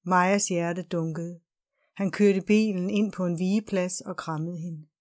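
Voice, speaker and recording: Woman narrator, low voice, steady audiobook reading. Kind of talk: scripted narration.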